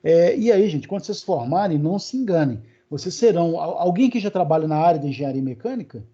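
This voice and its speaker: A man's voice: fairly high pitch, expressive, fast, warm tone. A man with a Brazilian Portuguese accent giving a live online lecture, talking casually with many fillers and check-ins with his students. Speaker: university lecturer. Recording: dull, lo-fi online class audio.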